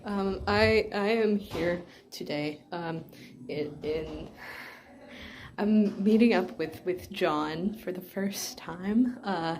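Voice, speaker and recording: A woman playing an awkward, hesitant young amateur investigator who talks haltingly in a found-footage vlog. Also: fairly low pitch, a little mellow. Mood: nervous anticipation. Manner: halting, hesitant, full of restarts. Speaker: video host and interviewer. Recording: roomy echo, faint noise, handheld camera.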